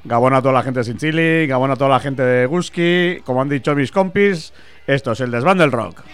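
A man's voice: mid-range voice, a little fast, faint music behind. A man from Spain co-hosting a casual rock radio show, joking and conversational. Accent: Spanish.

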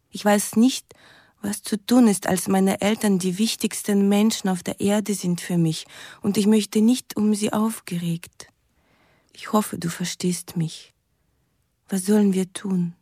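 An actress playing a Russian woman who reads out tender, pleading love emails in an intimate, breathy way, in a radio drama. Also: medium pitch, warm tone, dry recording, studio quality. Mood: pleading, hushed.

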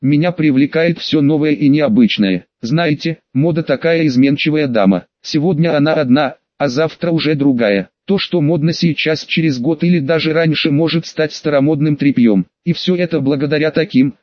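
A man's voice: a little high, normal speed, hardly any pauses, no room sound, natural voice. Breezy, witty young woman, as a male narrator reads her, dull dry recording. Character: lively young woman posing as designer.

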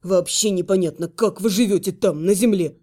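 A woman voicing gloomy, fretful young male dragons in a lowered, brooding voice. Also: normal speed, warm tone, lightly acted. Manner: low brooding put-on male voice.

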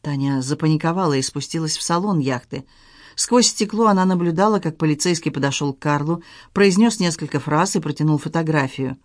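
A narrator reading a novel aloud in an even, measured storytelling manner. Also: mid-range voice, dry recording, studio quality.

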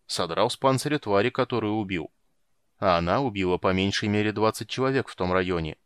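Man doing a grim witcher type, low and quiet, dry mocking tone, dry recording. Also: fast talker, clear, resonant tone, no room sound, natural voice. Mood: sardonic. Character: sardonic grim adult male monster hunter.

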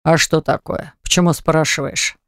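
A woman's voice: deep voice, fairly even intonation, moderate pace, no echo, studio quality. A woman voicing an adult son who answers his mother curtly and in a businesslike way. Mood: evasive. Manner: curt, evasive, businesslike.

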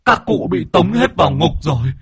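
A man's voice: on the high side, lively intonation, normal speed, gravelly, a bit bright, slightly rough, no room sound, studio quality, voice pushed up, heavily acted. A man voicing a frightened male ghost who pleads with the exorcist through a possessed woman. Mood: desperate pleading.

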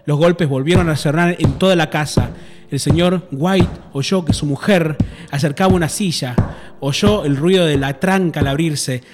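Man reading a horror tale with suspense. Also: a little high. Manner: measured, suspenseful delivery. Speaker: radio host and narrator. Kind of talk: dramatic reading of a horror story.

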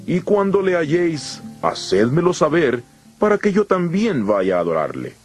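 A scheming king of falsely pious manner, in an audio Bible drama. His commands swoop dramatically up and down, insinuating, over loud music. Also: on the high side, wildly swooping pitch, moderate pace. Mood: sly, commanding.

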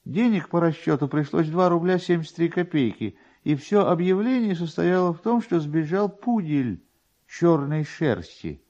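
A man voicing an officious, pedantic, slow-witted male newspaper clerk in a dramatised literary reading, drawing his words out. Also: fairly high pitch, expressive, a little mellow, voice pushed up. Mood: officious, reluctant. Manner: deliberate, drawn-out, pedantic. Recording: dull, lo-fi archive radio recording.

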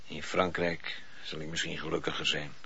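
An actor playing a stern, firm husband in a Dutch radio drama, with a husky voice. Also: male voice, a bass voice, flat delivery, moderate pace, pushed and bright, heavily acted. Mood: firm, unyielding. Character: stern, firm husband William, soothing yet unyielding. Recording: dull lo-fi radio play recording.

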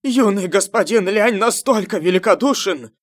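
A man voicing the fawning henchmen of a tribal leader in an audiobook, loud, exclamatory and emphatic. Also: mid-range voice, moderate pace, no echo, close to an everyday voice. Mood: adoring, fervent. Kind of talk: audiobook character voice.

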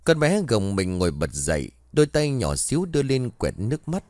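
A man narrating a ghost story in a dramatic, expressive reading style. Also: medium pitch, moderate pace, no echo.

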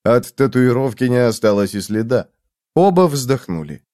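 A man reading a novel aloud as an audiobook narrator, dramatic and expressive. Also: mid-range voice, moderate pace, dry recording, clean studio sound. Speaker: audiobook reader. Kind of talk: scripted narration.

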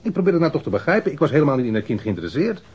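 An actor playing a defensive, rough-mouthed street robber under police questioning in a radio crime drama, slangy and halting. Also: male voice, fairly high pitch, big pitch swings, a little mellow, full character voice. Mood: earnest, insistent. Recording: dull lo-fi radio drama recording.

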